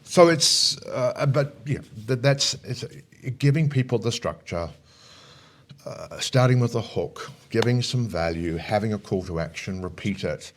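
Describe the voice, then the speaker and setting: Appearing as an interview guest, this speaker coach has a lowish, expressive voice and a measured pace. He makes his points emphatically in conversation, regularly tacking on brief check questions.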